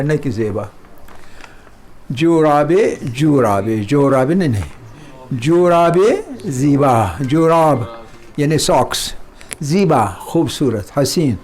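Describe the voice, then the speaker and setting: A middle-aged man teaching a Persian lesson, repeating words slowly and explaining them in a mix of Hindustani and English. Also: medium pitch, darkish tone, slight background noise. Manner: slow, drawn-out repetition of words. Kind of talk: slow classroom lesson.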